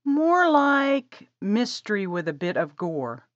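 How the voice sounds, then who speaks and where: A woman's voice: medium pitch, sing-song, slow, no room sound, lo-fi sound, voice pushed up. A woman voicing an eager, chatty young woman who loves books.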